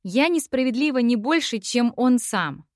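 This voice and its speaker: A woman's voice: on the high side, expressive, normal speed, no echo, studio quality. A woman reading a first-person novel aloud in a reflective, wry manner. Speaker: audiobook narrator. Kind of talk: first-person literary narration.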